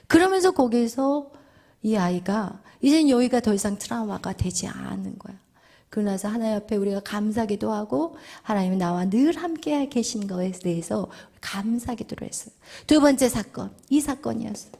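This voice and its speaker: A woman pastor preaching and teaching through a vivid personal story, sometimes dropping to a hushed whisper for emphasis. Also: mid-range voice, lively intonation, moderate pace, vocal fry.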